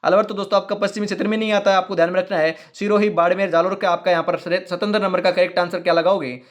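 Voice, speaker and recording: A man teaching a fast quiz-style online exam-prep class, drilling answers over and over, his throat strained from talking fast. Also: sits high, level tone. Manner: rapid, repetitive quiz drilling with motivational asides.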